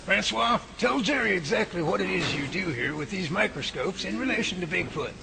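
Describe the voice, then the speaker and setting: Radio drama: composed professor and team leader played by a man, creaky voice, explanatory, noisy recording. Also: sits high, animated, a little fast. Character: composed, patient male professor leading a research team. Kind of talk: amateur radio drama acting.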